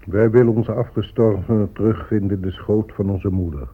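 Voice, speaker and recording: An actor playing a grieving, weary Native American chief, solemn and declamatory, in a radio drama. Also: male voice, fairly even intonation, husky. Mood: grave, reproachful. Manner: slow, declamatory, mournful. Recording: muffled lo-fi tape with faint rumbling noise.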